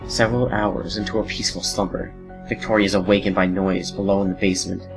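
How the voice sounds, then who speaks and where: A man's voice: low voice, little pitch movement, fast, music in the background, low-quality recording. A man reading scripted horror narration as the storyteller of an audio drama.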